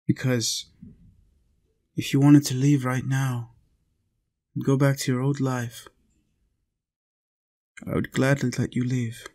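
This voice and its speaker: A man playing a lonely, tender, centuries-old vampire in an intimate roleplay audio, confiding softly and earnestly. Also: medium pitch, little pitch movement, slow, long pauses.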